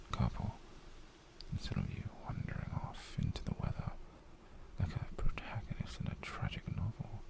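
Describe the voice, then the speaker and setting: Male actor as British yandere lover, ASMR roleplay: slow half-whisper, coaxing, theatrical, clingy and quietly menacing. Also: on the low side, gravelly, exaggerated voice, rough recording. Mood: teasing, possessive. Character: possessive, doting, menacingly sweet yandere boyfriend.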